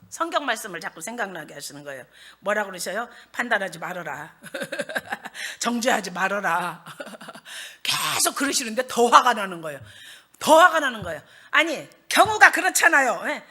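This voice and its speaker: A middle-aged woman pastor preaching a sermon and telling personal stories in an animated way, acting out her own angry thoughts. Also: a little high, normal speed. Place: church.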